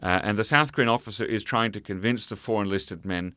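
A man telling a travel story in an interview, halting, full of fillers and restarts. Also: on the low side, pushed and bright, smooth, dry recording, clean studio sound. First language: English. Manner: hesitant, many fillers and restarts. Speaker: guest. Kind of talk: conversational storytelling.

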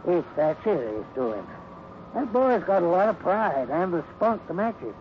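An actor playing an easygoing, kindly drifting cowboy with an American Western drawl and a hesitant, homespun manner, in a 1950s radio western. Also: male voice, sits high, very animated, moderate pace. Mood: worried. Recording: muffled, noisy old radio recording.

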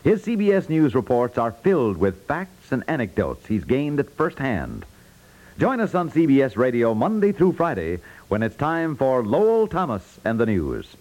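A man reading scripted promos as a polished 1950s network radio announcer, with measured emphasis. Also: medium pitch, very animated, a little mellow, highs cut off.

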